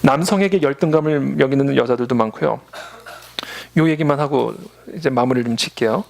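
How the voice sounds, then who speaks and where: A man's voice: mid-range voice, a little fast, creaky, a little hiss or hum. A man preaching a Sunday sermon as pastor, telling stories and acting out the voices of the people in them. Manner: storytelling, acts out quoted voices.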